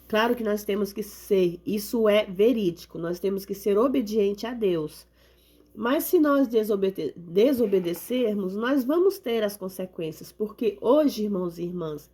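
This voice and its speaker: A hoarse woman, giving an earnest devotional talk and reading the Bible aloud. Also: mid-range voice, darkish tone. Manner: earnest, repetitive exhortation with tag questions. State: hoarse from a cold. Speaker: lay preacher.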